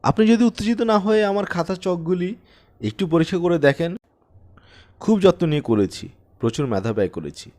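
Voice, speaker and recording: A man's voice: sits high, expressive, moderate pace, a little mellow, voice pushed up. A man voicing a meek, earnest, eccentric elderly male exercise teacher, deferential and pleading, in an audiobook story. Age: older.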